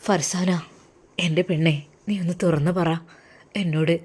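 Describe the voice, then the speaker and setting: A woman voicing a tender, devout Arab man who speaks softly and earnestly to a young woman. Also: fairly low pitch, steady tone, measured pace, slightly rough, voice pushed down. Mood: gentle, earnest. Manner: soft, hushed, pleading.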